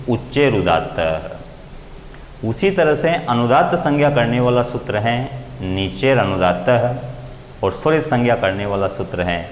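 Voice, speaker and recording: A male grammar teacher lecturing step by step, lifting his voice on key terms. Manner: explains step by step, raising pitch to stress key terms. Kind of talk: classroom lecture. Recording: echoey room with long reverb, faint ambient noise.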